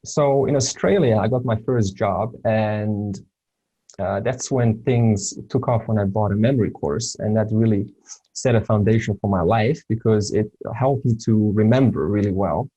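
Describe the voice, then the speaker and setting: A man's voice: lowish voice, moderate pace, warm tone, slightly rough, low-quality recording. A Serbian-born man whose first language is Serbo-Croatian, giving an informal lesson in a hesitant way, with many fillers and restarts. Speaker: spiritual teacher.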